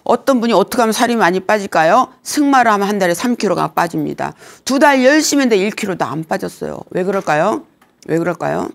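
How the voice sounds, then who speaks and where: A middle-aged woman giving a lecture on aging well, joking and telling lively stories. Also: mid-range voice, quick pace, gravelly. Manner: humorous, lively storytelling with acted quotes. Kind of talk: senior lifestyle lecture.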